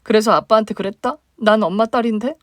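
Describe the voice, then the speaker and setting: A woman's voice: on the high side, fast, no room sound, studio quality, natural voice. A woman voicing a hurt young single mother, the younger sister, speaking plaintively in a dramatized story. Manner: plaintive, emotional questioning.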